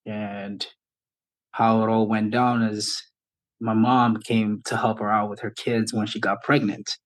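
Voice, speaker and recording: A man in his thirties from Ethiopia, a podcast guest speaking in an unhurried, thoughtful way about his life. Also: fairly low pitch, level tone, poor audio. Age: 30s. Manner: unhurried, thoughtful, restarts often. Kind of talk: casual interview.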